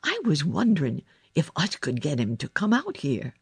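Woman as a gentle country lad, lively intonation. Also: sits low, normal speed, gravelly, slightly rough, dry recording, clean studio sound, exaggerated voice. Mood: kindly, hopeful. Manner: gentle, plain-spoken rustic. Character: gentle, earthy country lad who loves animals.

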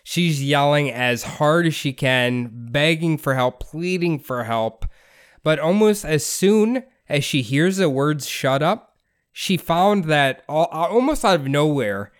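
A man's voice: fairly high pitch, clear, resonant tone. A man hosting a podcast, telling a story in a laid-back, casual way, swearing and laughing often. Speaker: podcast host.

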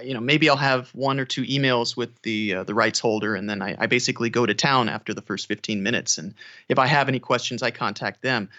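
Bright-voiced man in dull lo-fi audio. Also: medium pitch. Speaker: audiobook narrator, interview guest. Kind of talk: casual conversational interview.

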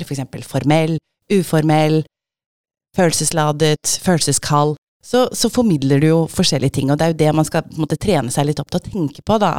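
Lower-voiced woman guiding voice exercises. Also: darkish tone, no room sound, clean studio sound. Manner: guiding, explanatory, laughs easily. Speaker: host leading voice exercises. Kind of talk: instructive podcast conversation.

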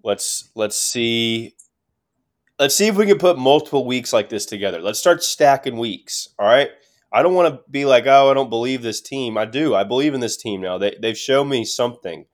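A man's voice: medium pitch, lively intonation, moderate pace. A man co-hosting a sports podcast, giving casual commentary in short, emphatic phrases and checking in with his listeners.

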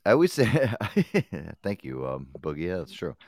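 A brash talk show host who laughs a lot reads sponsor ads and orders his co-host about on a casual radio-style program. He has a low, gravelly, slightly mellow voice with wildly swooping pitch, speaking at a measured pace with no echo.

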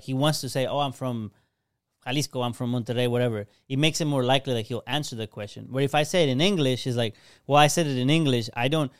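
A man on a casual podcast explaining his view calmly, step by step. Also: medium pitch, clean tone, dry recording, clean studio sound. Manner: measured, reasoning step by step. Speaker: podcast co-host.

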